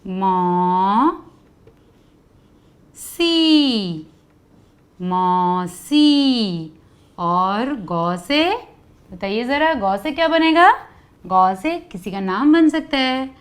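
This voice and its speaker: A woman's voice: fairly high pitch, lively intonation. A woman teaching children letter sounds, asking questions and drawing out each sound for them to repeat. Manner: calls out sounds for children to repeat, stretched slowly; asks many questions. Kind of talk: children's Hindi lesson.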